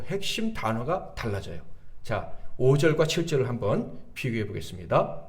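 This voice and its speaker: Male pastor of medium pitch, preaching a lively sermon and pressing the congregation with questions. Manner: lively, rhetorical questions to the congregation, calls for amen. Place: church sanctuary.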